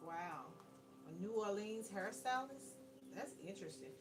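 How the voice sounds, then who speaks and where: A woman's voice: mid-range voice, expressive, unhurried. A woman doing a casual tarot card reading. She reads the card text aloud and then chats and reacts to it. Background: background music.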